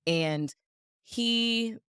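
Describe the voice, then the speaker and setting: A woman in her thirties co-hosting a casual chat with her sister, telling stories in a lively way and acting out quotes. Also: fairly high pitch, drawn-out words, clean tone, no room sound, studio quality. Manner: animated storyteller, acts out quotes, laughs easily. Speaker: podcast co-host.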